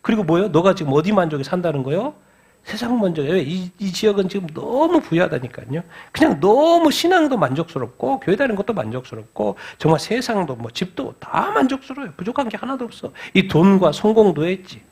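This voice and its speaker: Husky, animated preacher man. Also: high-pitched, fairly quick. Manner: asks the congregation rhetorical questions and answers them himself; emphatic, repeating short phrases. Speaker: pastor. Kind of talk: sermon.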